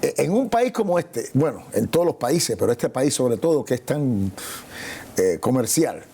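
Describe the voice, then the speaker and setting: A man's voice: mid-range voice, sing-song, moderate pace, mellow, breathy edge. A man, a pastor hosting a Christian television interview show in a studio, speaking in a preacherly way and declaring blessings. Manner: preacherly, declaring blessings, stretching words for emphasis.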